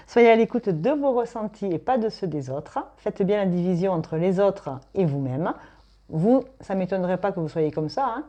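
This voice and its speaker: A woman's voice: medium pitch, expressive, normal speed, dark tone. A middle-aged woman giving a casual weekly tarot reading, chatty and emphatic, thinking aloud with many fillers. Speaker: tarot reader.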